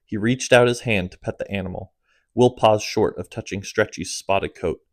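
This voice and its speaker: Narrating his own funny audiobook, a man keeps a steady, moderate storytelling pace in a fairly low voice, his pitch dropping at the close of each phrase. It's a close, dry recording without any room sound.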